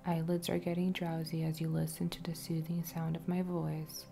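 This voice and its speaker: A woman playing a soothing waitress hypnotist in an ASMR roleplay, with a soft, often whispery, breathy voice and a coaxing manner. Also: deep voice, monotone, faint music behind. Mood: hypnotic, drowsy. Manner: slow, repetitive, soothing, coaxing. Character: friendly waitress turned soothing, commanding hypnotist.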